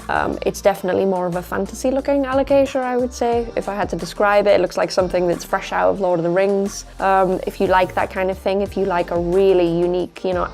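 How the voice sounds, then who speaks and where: A woman's voice: medium pitch, gravelly, a little mellow. A woman talking casually to her viewers about her plants, chatty and rambling, while she is losing her voice. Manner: chatty, rambling, self-correcting. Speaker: plant vlogger. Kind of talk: casual talk to camera. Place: at home indoors.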